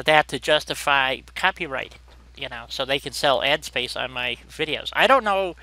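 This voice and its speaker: A man's voice: medium pitch, gravelly, sharp tone, dry recording, rough recording. A man casually chatting as he streams a video game, blunt and grumbling, with some casual swearing. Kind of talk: casual chat while playing a video game.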